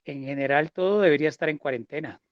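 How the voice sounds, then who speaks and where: A man's voice: a little high, fast talker, dull audio. A man, a writer guest on a video call, laid-back and wry. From Costa Rica. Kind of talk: casual video-call chat.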